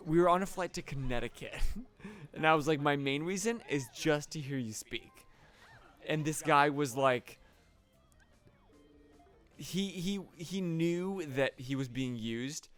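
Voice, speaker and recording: A man's voice: a little high, fairly bright tone. Chatty man telling stories over gameplay. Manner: chatty storyteller, likes sharing fun facts. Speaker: co-host of a gaming let's play. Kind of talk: casual chat while playing a video game.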